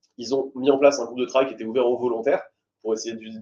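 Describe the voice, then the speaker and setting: A man speaks here. His tone is dark and mellow. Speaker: training consultant presenting research. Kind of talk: webinar presentation. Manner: fast; hesitant, many fillers.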